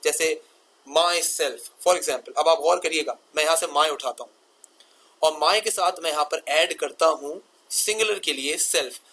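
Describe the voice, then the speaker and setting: A man's voice: fairly high pitch, bright, forceful tone, slightly rough, poor audio. A man teaching English grammar in a methodical way, repeating each rule and asking listeners to pay attention as he works through slides. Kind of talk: explaining grammar over slides.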